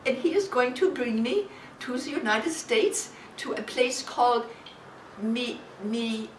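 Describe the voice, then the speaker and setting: A woman acting a war widow, speaking broken, halting English and often hunting for words. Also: a little high, expressive. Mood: agitated. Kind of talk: dramatic monologue. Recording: echoey room, distant mic, faint hiss.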